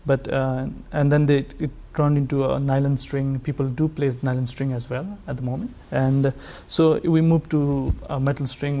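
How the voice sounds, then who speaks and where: A man from Nepal, a sarangi player chatting as a guest, halting and full of fillers. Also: medium pitch, warm tone. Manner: halting, many fillers like "uh" and "like", friendly. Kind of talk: casual interview chat.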